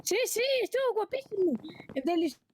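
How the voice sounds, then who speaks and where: High-pitched, animated woman gamer. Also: brisk. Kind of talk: casual excited gaming chat. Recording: faint background noise with clicks.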